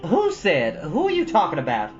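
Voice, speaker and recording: A woman performs a severe older guardian from a storybook. She scolds in sweeping, exasperated tones with blunt sarcasm. Music plays clearly behind her on a slightly dull recording. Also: deep voice, wildly swooping pitch, normal speed, voice pushed up. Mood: scolding.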